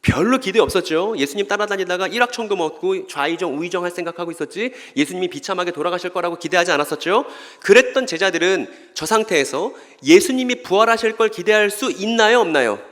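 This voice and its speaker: A man's voice: high-pitched, fast, few pauses, a bit bright. A man giving a Bible lecture at a church, who keeps putting questions to the audience and then answering them himself. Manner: acts out short scripture dialogues in voices. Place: church hall. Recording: long reverb of a church hall.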